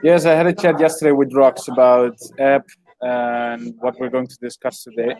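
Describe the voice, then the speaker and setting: A man from the Netherlands, a guest speaker talking over a video call from a village cafe, halting with restarts. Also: mid-range voice, steady tone, a little mellow, no room sound, rough recording. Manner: halting, many restarts and fillers. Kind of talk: casual video call chat. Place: cafe in a small mountain village.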